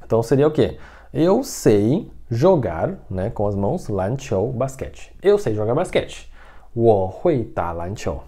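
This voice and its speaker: A man teaching Mandarin in an online lesson, saying sentences slowly for drills and explaining them in chatty full of "né?" and "tá?". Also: mid-range voice, sing-song, dark tone, breathy edge. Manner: slow drilled Mandarin, chatty Portuguese asides with "né?" and "tá?".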